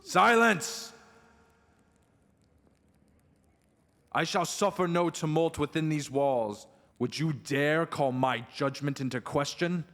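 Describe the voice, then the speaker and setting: A man's voice: on the high side, a little slow, a bit bright. Man acting a solemn medieval king in a reverberant hall. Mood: angry, commanding. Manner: formal archaic speech, solemn and authoritative. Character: stern, commanding medieval king, protective father. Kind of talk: fantasy audio roleplay acting.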